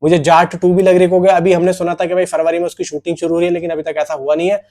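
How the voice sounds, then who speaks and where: High-voiced man, chatty. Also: little pitch movement, racing, a little mellow. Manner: informal and chatty, addresses viewers as brother, poses questions and answers them. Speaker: film news video presenter. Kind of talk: casual film news commentary.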